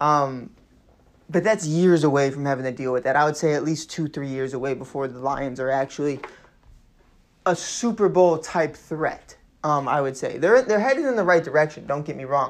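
A man speaks at a moderate pace with a fairly high pitch, ordinary pitch variation and an animated tone. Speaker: sports podcast host. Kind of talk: solo sports commentary podcast. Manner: animated, casual with many fillers.

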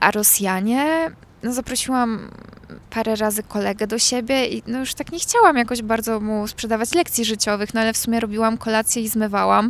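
A plain, everyday voice at a fairly quick pace with fairly even intonation. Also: woman, fairly high pitch for a woman. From Poland, Szczecin. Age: 20s. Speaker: fashion podcaster and student. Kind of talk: casual chat.

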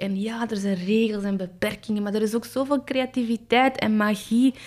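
Somewhat breathy, a woman speaks at a moderate pace with ordinary pitch variation. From Flanders, Kempen region (Belgium). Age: 30s. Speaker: social entrepreneur, cancer survivor. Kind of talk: interview.

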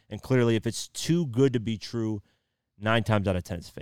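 A man with an animated tone at a very fast pace. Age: 20s. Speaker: hip hop podcast host. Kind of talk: solo commentary podcast. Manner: casual, animated.

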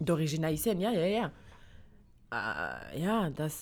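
A woman speaks at a fairly slow pace in an animated tone. Her voice has vocal fry. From Central Africa, Belgian schools (Congo, Rwanda, Burundi, Belgium). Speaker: podcast co-host. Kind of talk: casual chat, French-English code-switching.

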